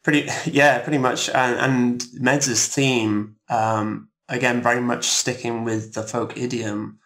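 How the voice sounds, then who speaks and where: Thoughtful man with a slightly gravelly voice. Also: mid-range voice, flat delivery, slow pace, a bit bright. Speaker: composer, roundtable guest. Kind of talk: explanatory interview talk.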